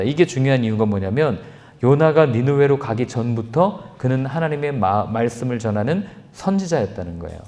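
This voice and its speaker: A man, a pastor giving an animated Bible lecture, acting out quoted lines in changing voices. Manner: lively, acts out quoted lines with shifting pitch. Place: church.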